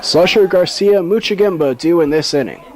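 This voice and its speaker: A man's voice: high-pitched, moderate pace, poor audio. A man calling live baseball play-by-play as a sports commentator. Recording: outdoor ballpark background noise.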